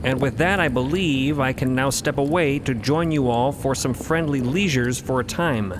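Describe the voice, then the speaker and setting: A man playing a serene, courtly otherworldly guardian in an audio drama, speaking with formal, measured, benevolent solemnity. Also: mid-range voice, noisy background, natural voice. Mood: gently formal. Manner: formal, measured, ornate phrasing. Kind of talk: audio drama character acting.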